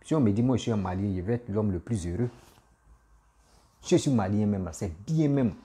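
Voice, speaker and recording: A man, a comedian talking casually to his followers in an animated, repetitive way, often laughing at himself. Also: on the low side, fairly quick. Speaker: comedian and YouTuber. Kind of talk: casual political commentary vlog.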